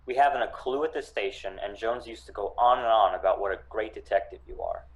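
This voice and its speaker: A man playing a gruff, embittered police officer in an amateur radio drama. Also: on the low side, brisk. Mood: remorseful, pleading. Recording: thin phone-like sound, music behind.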